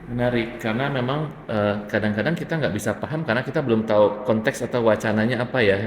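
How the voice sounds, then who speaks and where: A man hosting an interview who asks relaxed questions and often answers with short affirmations. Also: mid-range voice, fast, slight background noise. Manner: attentive, frequent short affirmations. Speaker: interview host. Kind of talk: casual interview chat. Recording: echoey hall, faint ambience.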